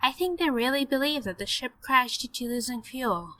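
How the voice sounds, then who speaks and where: Woman acting a bright-voiced, cautious sceptic. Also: sits high, expressive, brisk. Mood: sceptical. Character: cautious, sceptical, precise woman time traveller. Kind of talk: audio drama acting.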